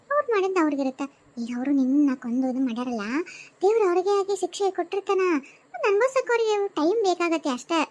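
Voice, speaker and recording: A woman's voice: extremely high pitch, a little mellow. A woman voicing a scolding, motherly ghost companion in a cartoon, speaking North Karnataka Kannada and lecturing the new ghost. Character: older ghost companion, calm, preachy, scolding. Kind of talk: cartoon voice acting.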